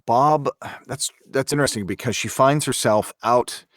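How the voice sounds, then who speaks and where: A man in a casual podcast discussion, speaking in a halting, reflective way. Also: medium pitch, dry recording, studio quality. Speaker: podcast participant, drama creator.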